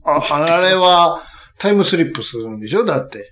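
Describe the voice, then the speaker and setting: A man hosts a casual chat in a slightly high voice. His pitch moves around a lot as he banters and pokes skeptical questions at others. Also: lively intonation, brisk, a bit bright. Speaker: host.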